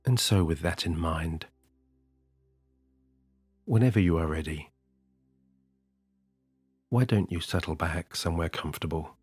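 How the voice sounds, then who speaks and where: A man leading a guided sleep hypnosis session, talking softly and slowly with long pauses. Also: low-pitched, slightly rough, no echo. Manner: soft, slow and soothing, with long pauses. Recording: dry close studio voice over soft music.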